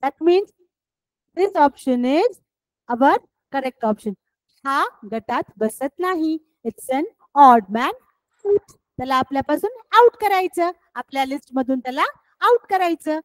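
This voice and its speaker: A woman teacher with a Marathi accent explaining English words to children, slowly and deliberately, often repeating her questions to the class. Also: high-pitched, animated, dry recording, poor audio. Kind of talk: scholarship exam English lesson for children.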